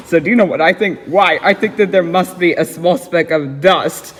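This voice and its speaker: Gentle, earnest storybook elephant, read by a man, high-pitched, protective and pleading, heavily reverberant. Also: normal speed, a little hiss or hum, close to an everyday voice. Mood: earnest, concerned. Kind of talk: amateur storybook character reading. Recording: reverberant hall-like echo.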